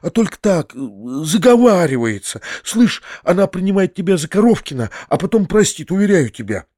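A man voicing a timid, frightened middle-aged gentleman in an audiobook, pleading in a flustered, raised voice. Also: sits high, big pitch swings, brisk, no room sound, clean studio sound, pitched above the performer's own voice. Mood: hushed, coaxing. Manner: flustered, pleading, half-whispered at times. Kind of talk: audiobook character voice.

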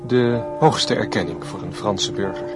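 Radio reporter, low voice, solemn, measured live commentary, hesitant, prominent music and bells behind. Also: male voice. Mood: solemn, stately. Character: solemn male radio reporter at state funeral procession. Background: church bells, music.

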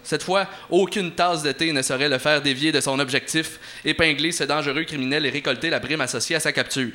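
A man narrating an interactive adventure story, slightly high and very bright, cutting voice. He halts with fillers when talking plainly and reads the story with flair. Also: a little fast. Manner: hesitant, lots of filler, then theatrical reading. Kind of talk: reading an interactive story aloud.

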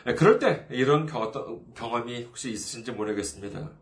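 A man's voice: medium pitch, expressive, brisk, reverberant. A man preaching a sermon as a pastor, in a conversational, humorous way, often asking the listeners questions.

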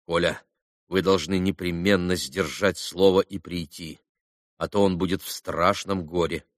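A man's voice: low-pitched, steady tone, measured pace, no echo, clean studio sound, pitched below the performer's own voice. A man voicing an earnest young man who speaks firmly and insistently. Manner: firm, insistent.

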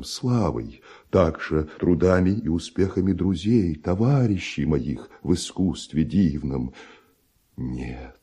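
A man acting a proud, bitterly envious middle-aged composer in a theatrical verse monologue for radio drama, solemn and declamatory, with weighty pauses and a husky voice. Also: deep voice, mellow, exaggerated voice. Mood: indignant. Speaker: actor.

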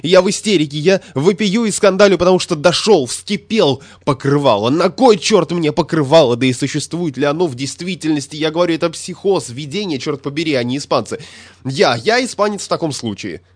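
A man voicing a hysterical, puffed-up little male statistician who shouts and rants indignantly. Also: expressive, fairly quick, dry recording. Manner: shrill, shouting, indignant ranting.

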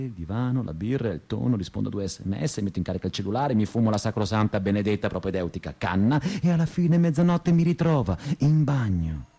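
An actor playing a restless, bitter and sensual gay young dropout in an intimate, confessional theatrical radio monologue. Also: male voice, mid-range voice, a little mellow, lightly acted. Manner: intimate, confessional, crude-mouthed. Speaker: stage actor.

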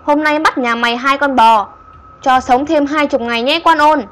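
A woman voicing a shrill mocking white ghost. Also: moderate pace, fairly bright tone. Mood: taunting. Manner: shrill, taunting. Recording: dull lo-fi audio with faint hiss.

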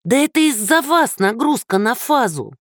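Cranky old neighbor woman, shrill and hoarse, put on by the narrator; dry booth recording. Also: very animated, unhurried, fairly bright tone, dry recording, heavily acted. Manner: shrill, scolding, hoarse cackle.

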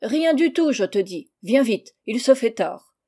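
A woman's voice: fairly high pitch, expressive, a little slow, warm tone, slightly rough, full character voice. Woman doing a blunt, good-hearted rustic farmhand man. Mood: brisk, covering up. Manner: blunt rustic turns of speech.

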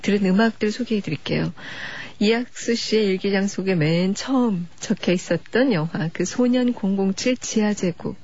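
Lady radio dj on a late night music show, low mellow husky voice, soft and slow, old dull broadcast sound. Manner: soft-spoken, unhurried, reads listener letters gently.

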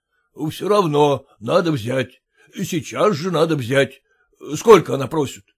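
A man voicing a stern, bossy older man who lectures and scolds his son-in-law in a slow, drawn-out way. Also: on the high side, animated, husky, full character voice. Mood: lecturing.

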